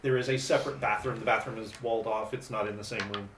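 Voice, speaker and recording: Man rambling with halting descriptions. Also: fairly low pitch, steady tone. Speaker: player. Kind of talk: in-character tabletop roleplay. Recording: roomy distant mic with faint hiss.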